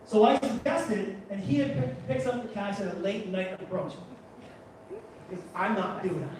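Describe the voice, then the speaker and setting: Brief: man, high voice, animated live storyteller, keeps backtracking, recorded from far off in a very echoey room. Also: measured pace, slight background noise. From Canada. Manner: animated, chatty storyteller who backtracks and restarts. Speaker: photographer giving a talk. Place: large room at a photography guild talk. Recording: very echoey room, far from mic, faint ambience.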